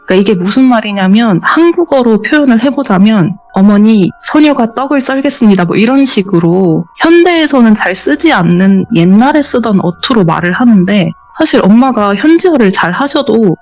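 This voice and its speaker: A woman guest telling a true ghost story in soft, conversational speech on a horror radio interview. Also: medium pitch. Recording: dull, muffled radio recording with faint music underneath.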